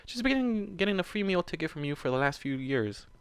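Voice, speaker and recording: A man's voice: high voice, big pitch swings, brisk, clean tone, dry recording, voice pushed up. A man voicing a sly, impatient female changeling from a fan story, taunting and blunt. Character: sly female changeling posing as dead wife, condescending, impatient.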